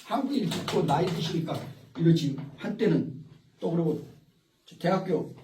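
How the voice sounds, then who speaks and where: A man's voice: a little high, animated, normal speed, noisy background. A man giving an informal, rambling lecture to a small group, often interrupted by the audience. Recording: echoey room, far from the mic.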